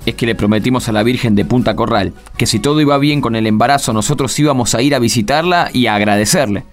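An earnest young husband in a radio play, acted by a man, devout and gentle. He speaks with an Argentine accent at a medium pitch and is soon to be a father. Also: quick pace, faint music behind, close to an everyday voice. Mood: earnest, fond. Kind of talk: radio drama acting.

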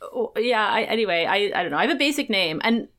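A woman's voice: mid-range voice, lively intonation, fast talker, a bit bright, slight background noise. A woman hosting a casual podcast chat, her voice swinging widely up and down as she talks. She pokes fun at herself and laughs easily. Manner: self-deprecating, laughs often. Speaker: podcast host.

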